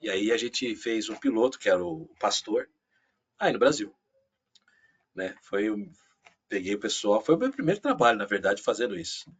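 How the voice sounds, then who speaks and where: A man with a Brazilian Portuguese accent, a voice actor chatting casually as an interview guest, animated and full of asides. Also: on the low side, normal speed, pauses often, husky. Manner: animated, frequent fillers and asides.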